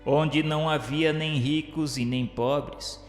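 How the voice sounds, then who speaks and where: With a Brazilian accent, a man narrates a radio drama from a script, sounding solemn, formal, and declamatory. His voice is a little high with fairly even intonation, and he takes his time. Music plays underneath, and the recording has a long, echoey reverb.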